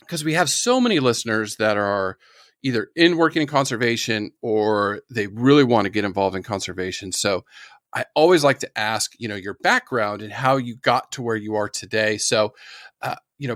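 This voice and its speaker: A man's voice: mid-range voice, fairly bright tone, no room sound, studio quality. A man hosting a podcast, talking enthusiastically and rambling with restarts. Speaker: podcast host. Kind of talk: casual podcast interview.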